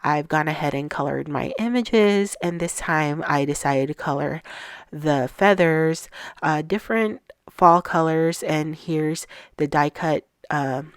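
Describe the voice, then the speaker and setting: A woman's voice: sits low, clear, resonant tone, dry recording, studio quality. A middle-aged woman with a stuffy, slightly sore-throated voice, talking through a craft tutorial voice-over step by step. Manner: plain and unhurried, explaining step by step. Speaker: craft channel host.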